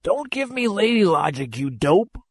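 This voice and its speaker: A man voicing a blustering older spaceship captain, gruff and roaring. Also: high voice, animated, normal speed, dry recording, studio quality, voice pushed up.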